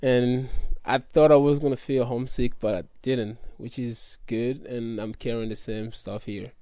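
Young man, dark voice. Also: medium pitch, fairly even intonation, a little slow, dry recording, studio quality. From Congo. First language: French. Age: young adult. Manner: earnest, loose phrasing with many fillers. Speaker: college athlete guest. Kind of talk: casual interview answers.

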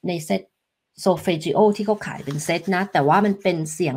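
A woman coach talks gently through a live lesson, explaining each step and answering viewer questions. Her voice is husky and breathy, recorded close on a desk microphone indoors. Tuning fork tones ring out behind her now and then. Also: lowish voice, normal speed. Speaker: health coach.

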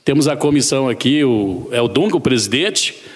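A man's voice: medium pitch, lively intonation, fairly quick. A man, a city councillor, making a conversational floor speech.

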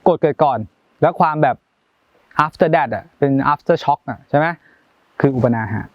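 Playful man reading and explaining, slightly high. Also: a little slow, no room sound, highs cut off. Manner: playful, acts out examples, chatty asides. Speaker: host explaining a book chapter. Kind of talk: reading aloud with casual commentary.

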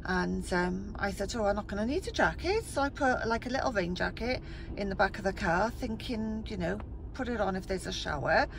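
A woman's voice: mid-range voice, lively intonation, gravelly. A middle-aged woman from South Wales with a Welsh accent, chatting casually to her viewers as a vlogger while being driven. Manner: chatty, rambling, quick to laugh. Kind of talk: casual travel vlog while driving. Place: inside a car on the road. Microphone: phone camera in the car. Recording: distant car mic with loud road noise.

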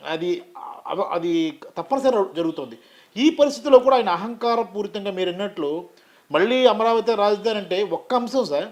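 A man interviewing a political guest, respectful, often chiming in with short agreements. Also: high voice.

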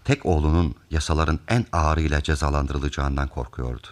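An actor playing a calm, methodical detective who explains a case deliberately in a radio theatre mystery. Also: male voice, very deep voice. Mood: grave, reasoning.

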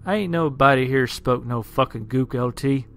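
A man's voice: medium pitch, moderate pace, creaky, lightly acted. A man putting on a wiry Marine from Texas in an audio war story. He is crude and disgusted, spitting out his words over music.

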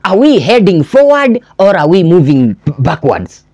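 A young man with a Kenyan accent delivers impassioned political commentary. His pitch swings widely as he hammers points home with repetition, and his tone is on the mellow side, recorded close and dry. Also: wildly swooping pitch, unhurried, no room sound. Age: 20s. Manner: emphatic, rhetorical questions, repeats key phrases for stress. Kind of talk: impassioned commentary to camera, mixing English and Swahili. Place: small indoor room with a backdrop, armchair.

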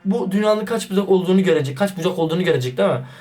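Excitable man with a distant mic. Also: high voice, racing. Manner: excitable, slangy, talks straight to viewers. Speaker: YouTuber reacting to a chat. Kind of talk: excited casual vlog commentary. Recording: distant mic with background music.

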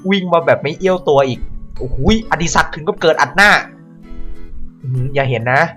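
A man's voice: a little high, fairly quick, soft background music. Jumpy man doing horror game commentary. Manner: jumpy, swings from calm asides to startled yelps; talks to the zombies in the game. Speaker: gameplay commentator. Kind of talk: let's play commentary.

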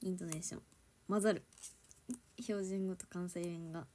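A woman's voice: lowish voice, steady tone, moderate pace, a little mellow. A young woman with a Kansai accent chatting casually with viewers on a livestream, giggling often and switching between standard Japanese and Kansai dialect. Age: young adult. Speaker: idol livestreamer. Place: home.

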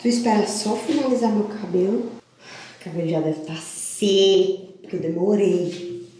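A woman's voice: medium pitch, moderate pace, mellow. A young woman with a Brazilian Portuguese accent, vlogging casually at home and talking candidly and directly to her viewers. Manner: chatty, candid, talks straight to viewers. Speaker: lifestyle vlogger. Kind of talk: casual vlog talking to camera. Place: bedroom at home. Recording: echoey room with faint noise.

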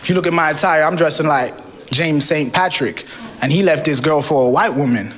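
A young man in a street interview, giving blunt, deadpan put-downs into a handheld mic. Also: a little high, fairly quick. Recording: noisy clip from street interview.

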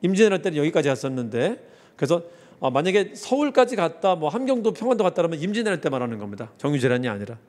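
A man gives an exam review lecture on history, repeating key terms and mnemonics as he goes. He talks quickly with a fairly high, animated voice. A long reverb trails behind his words.

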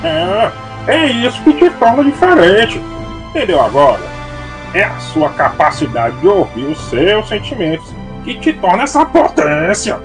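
A man's voice: high voice, wildly swooping pitch, measured pace, over music, full character voice. A man playing a fond, wise old father's ghost in an audio drama, colloquial and paternal. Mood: encouraging.

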